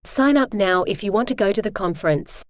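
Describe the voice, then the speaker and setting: A woman reads standalone practice sentences for a dictation exercise. Her voice is smooth and clear at a middling pitch, measured and neutral in delivery. The sound is close and very dry. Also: expressive, dry recording. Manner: measured, neutral, careful enunciation. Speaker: test practice sentence reader. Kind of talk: scripted read-aloud dictation practice.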